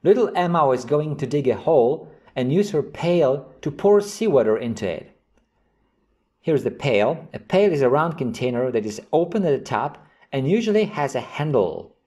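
A man hosting an English vocabulary lesson, reading example sentences and definitions slowly and clearly. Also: a little high, sing-song, a little mellow. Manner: slow, carefully enunciated reading of example sentences. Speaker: English teacher.

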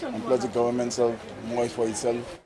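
A man's voice: mid-range voice, completely flat delivery, moderate pace, crowd noise. A man answering bluntly and critically in a street interview.

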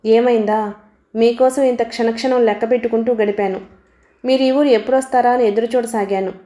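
A woman's voice: fairly high pitch, steady tone, brisk, mellow, close to an everyday voice. A woman reading the part of an eager, devoted young man who talks in a pleading, earnest way.

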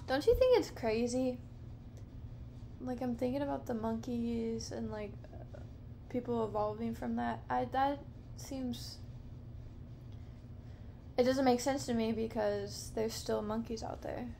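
This is a thirties-aged woman alone on her podcast, meandering through casual talk in a soft, slow voice loaded with fillers, in a dim living room at night. Her pitch sits a little high and creaky, and a close camera mic, held by hand or on a low stand, catches a bit of hiss or hum.

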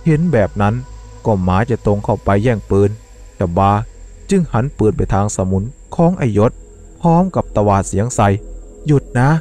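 A man narrating a dramatic horror story in a measured, suspenseful way. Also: on the low side, animated, a little mellow. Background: faint music.

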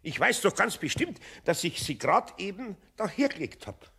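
A man's voice: high-pitched, sing-song, normal speed, creaky, bright, forceful tone, slightly rough, full character voice. A man playing a grumbling but good-natured older master carpenter with a Bavarian accent in an audio drama. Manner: muttering to himself, exclaiming.

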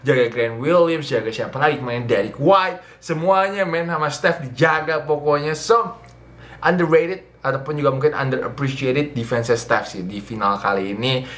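A man's voice: a little high, a bit bright. A man, hosting a casual, slangy sports recap and slipping English phrases into his talk. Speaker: sports channel host. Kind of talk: casual basketball recap commentary to camera. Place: small indoor living room.

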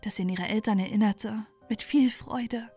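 A woman narrating a bedtime fairy tale in a soothing, gentle, unhurried and expressive way. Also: medium pitch, husky. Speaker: storyteller. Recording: music behind the voice.

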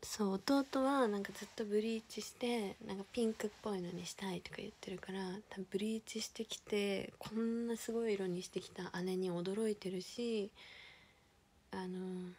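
A young woman, chatting casually as a streamer, ranting with animated indignation and dropping into whispered asides. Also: medium pitch, moderate pace, husky. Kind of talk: casual chat.

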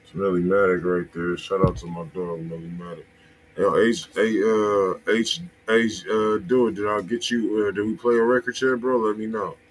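A low-voiced American man hosts a music livestream in loose, slangy talk. He tends to repeat his phrases, and there is faint background noise behind him. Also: fairly even intonation, normal speed, rough recording. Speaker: music review livestream host. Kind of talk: casual slangy livestream chat.

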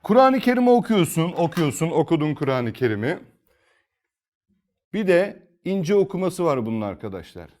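Speaking at a moderate pace in a sing-song, slightly mellow voice pitched a bit above most men's, a male Quran teacher walks through a recitation lesson step by step. His intonation climbs and dips with every rule, and he keeps asking his students questions, supplying the answers and going back over each step.

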